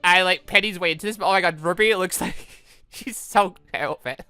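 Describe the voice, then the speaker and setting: A woman giving excitable, giggly let's play commentary as a gaming channel host. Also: on the low side, fairly quick, clean tone, no echo, faint music behind. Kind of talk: let's play commentary with read-aloud dialogue.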